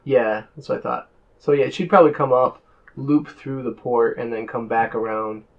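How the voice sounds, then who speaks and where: A man at a tabletop game talks through his character's choices, asking the game master questions as he goes. His voice is mid-pitched and comes through a dull, lo-fi recording. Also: normal speed, gravelly. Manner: questioning, plans aloud in character's terms. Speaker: player.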